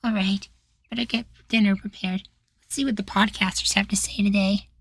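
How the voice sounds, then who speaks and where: Man acting as a sweet high-voiced young boywife. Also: flat delivery, normal speed, husky, no room sound, full character voice. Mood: affectionate. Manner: soft, doting, chatty. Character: cheerful, devoted, naive young futuristic boywife. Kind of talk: intimate ASMR roleplay acting.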